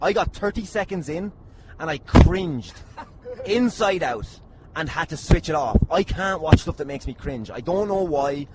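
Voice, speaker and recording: An Irish man with a fairly high voice hosts a loose comic chat. He teases and swears freely as he talks. Loud noise runs through the recording. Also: animated, unhurried. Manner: jokey, teasing, sweary. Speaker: podcast host. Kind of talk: casual comic banter. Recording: very noisy, slightly distant at times.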